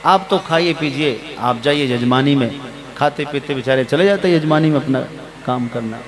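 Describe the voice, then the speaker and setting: A man's voice: mid-range voice, moderate pace, over music. A man giving a Hindu religious discourse to listeners, preaching about raising children and acting out household exchanges with quoted voices. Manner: preachy, acts out household dialogue. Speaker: Hindu spiritual teacher.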